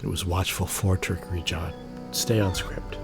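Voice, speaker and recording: A man's voice: sits low, level tone, moderate pace. A man giving casual gameplay commentary, wry and sweary, muttering to himself as he plays. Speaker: video game player making a gameplay recording. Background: game music.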